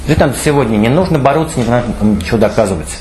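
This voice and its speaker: A man's voice: expressive, racing, darkish tone, slight background noise, poor audio. A middle-aged man speaking off the cuff at a meeting, emphatic and repetitive, his voice rising when he urges people on. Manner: emphatic, repeats phrases, pitch climbs when urging. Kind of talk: impromptu public speech.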